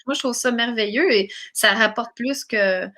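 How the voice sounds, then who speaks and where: A woman's voice: on the high side, moderate pace, bright, forceful tone. A woman with a Québécois accent, a guest musician chatting in an interview, effusive and full of hesitations and restarts. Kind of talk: casual interview chat.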